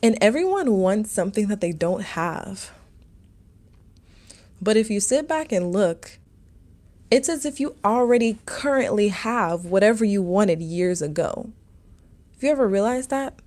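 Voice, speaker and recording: A woman's voice: mid-range voice, animated, measured pace, long pauses, darkish tone. A young woman from Maryland hosting a casual livestream as a meditation teacher, rambling through viewer comments with lots of "like" and "um". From Maryland, USA.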